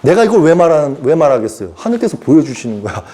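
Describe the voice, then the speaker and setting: A man's voice: on the high side, big pitch swings, fast, warm tone. A man giving an informal sermon lecture as a self-styled prophet, acting out characters in put-on voices and chuckling as he talks.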